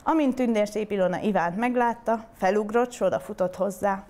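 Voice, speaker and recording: A woman reading a long fairy tale aloud as storyteller, with steady, clear delivery. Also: mid-range voice.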